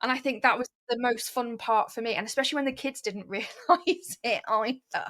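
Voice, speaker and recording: A woman chats on a podcast about teaching young children. Her voice sits fairly high, and she tells stories with lively energy and plenty of fillers. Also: fairly quick. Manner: animated storytelling with many fillers. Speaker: early years teacher and podcast host. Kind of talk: casual chat.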